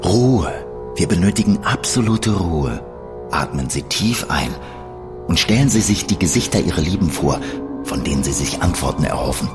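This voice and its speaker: Sinister spirit medium, deep, smooth, menacing, music behind. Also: male voice, sing-song, moderate pace. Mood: soothing. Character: sinister male spirit medium, calm and creepy. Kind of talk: radio play acting.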